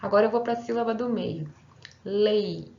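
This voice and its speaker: A woman's voice: mid-range voice, normal speed, mellow. A woman teacher giving a recorded online grammar lesson, explaining patiently step by step and checking in with her students. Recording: roomy, slightly dull home recording.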